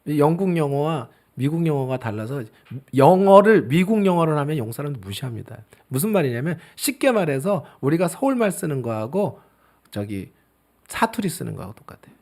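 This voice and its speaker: A middle-aged male pastor preaching a sermon, swinging between loud emphasis and soft, near-whispered asides. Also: a little high, sing-song, brisk.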